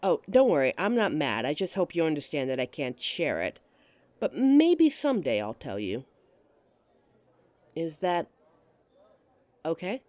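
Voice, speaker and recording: A playful woman speaks straight to the listener in a scripted roleplay, teasing and often laughing. Her pitch swings up and down with a lot of life. She is recorded close on a dry, dead mic. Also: sing-song, unhurried, long pauses, darkish tone, dry recording. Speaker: audio roleplay performer.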